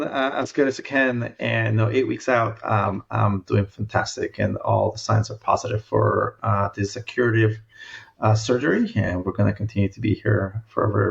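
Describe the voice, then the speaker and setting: Gravelly husky guy in his 40s from el salvador, slow thoughtful podcast guest, kinda dull lo-fi sound. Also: on the low side, steady tone. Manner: thoughtful, many fillers and restarts. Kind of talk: reflective conversation.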